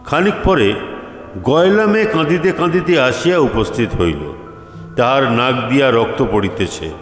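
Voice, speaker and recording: Echoey, expressive male story narrator. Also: medium pitch. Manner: measured, pausing between phrases. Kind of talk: dramatic literary story narration. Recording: echoey hall with long reverb. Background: faint music.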